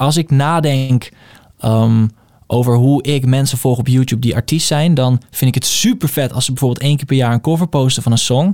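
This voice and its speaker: A man speaks at a fairly quick pace in a medium pitch, with ordinary pitch variation and an ordinary speaking voice. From Netherlands, Groningen. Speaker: musician and producer. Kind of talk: casual chat.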